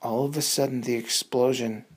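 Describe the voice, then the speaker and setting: A woman's voice: very deep voice, fairly even intonation, moderate pace, darkish tone, slightly rough. A woman telling a suspenseful bedtime story for children in a dramatic, improvised way, repeating words for effect.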